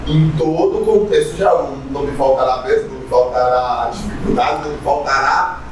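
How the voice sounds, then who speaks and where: A man's voice: medium pitch, brisk, slight background noise. A male student asking questions during a lecture, thinking aloud about a translation. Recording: distant, very echoey classroom.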